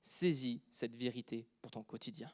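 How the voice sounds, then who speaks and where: A man with a Quebec French accent preaching a sermon, dropping to a near whisper and then joking loudly with the congregation. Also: mid-range voice, normal speed. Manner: shifts from quiet intimate speech to loud joking with the congregation.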